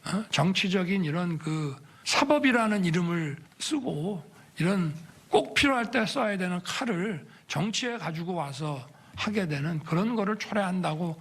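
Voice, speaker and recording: A man making formal public remarks in a measured, deliberate way. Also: high voice, expressive, breathy edge.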